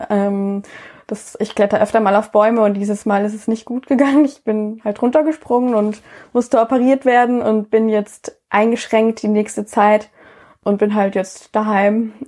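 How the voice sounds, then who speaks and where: At a moderate pace, a woman speaks with a fairly high pitch, a dark, mellow tone and fairly even intonation. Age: 20s. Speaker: recent school graduate, youth worker. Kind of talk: interview.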